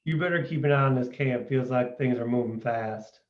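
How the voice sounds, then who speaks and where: An actor playing a gruff, suspicious mining-camp man at a table read. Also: medium pitch, fairly quick, close to an everyday voice. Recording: roomy echo, slightly dull sound.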